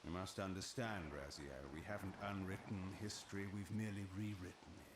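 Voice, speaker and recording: An actor playing a scheming ancient vampire lord in a video game, with a grave, deliberate, theatrical delivery. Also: male voice, low voice, fairly even intonation, reverberant, noisy background, natural voice. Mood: solemn, ominous. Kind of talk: dramatic video game voice acting.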